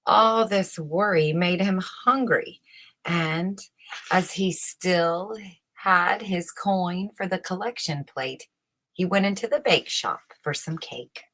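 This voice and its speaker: A woman narrates a children's story at a very unhurried pace. Her voice sits a little low, and she shapes her phrases with dramatic emphasis, as in a bedtime read-aloud. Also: a bit bright. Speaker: storybook reader.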